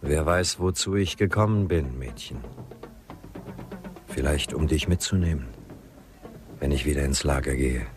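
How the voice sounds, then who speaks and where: Gruff sly white boss in a western radio play, super deep voice, music clearly behind him. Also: male voice, measured pace, pauses often. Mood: sly, insinuating. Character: gruff, domineering white chief, slyly courting a girl. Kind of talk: German radio drama acting.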